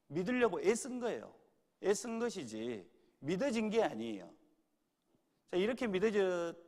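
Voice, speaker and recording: Man, pastor, sermon in a church hall, animated sing-song delivery, long echoing reverb. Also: on the high side. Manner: quizzes the audience with repeated right-or-wrong questions. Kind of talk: revival sermon to a congregation.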